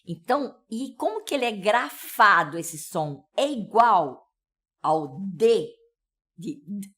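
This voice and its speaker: A woman's voice: medium pitch, animated, takes it slowly, a bit bright, breathy edge. A woman with a São Paulo accent teaching pronunciation, explaining step by step and checking in with listeners often. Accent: São Paulo Brazilian Portuguese. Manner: explanatory, with frequent "né?" and "tá?" check-ins. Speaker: English teacher. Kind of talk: pronunciation lesson.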